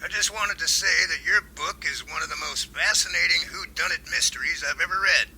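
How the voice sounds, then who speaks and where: A man's voice: fairly high pitch, brisk, pushed and bright, husky, heavily acted, poor audio. A man playing a genial, folksy professor and researcher in an amateur audio drama. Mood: admiring. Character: genial, enthusiastic male professor and Bigfoot researcher.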